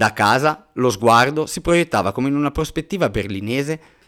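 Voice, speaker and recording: In a dry, close sound with no echo, a man speaks at a medium pitch and fairly quick pace, his pitch swinging very widely. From Genoa, Italy. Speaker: first-person narrator, former worker under the bridge. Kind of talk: scripted narration.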